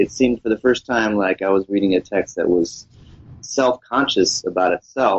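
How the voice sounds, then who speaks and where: A man at a fairly low pitch with an American accent, ordinary pitch variation and a moderate pace, a normal speaking voice. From US Midwest, Cleveland, Ohio. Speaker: poet and English professor. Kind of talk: interview; poetry reading.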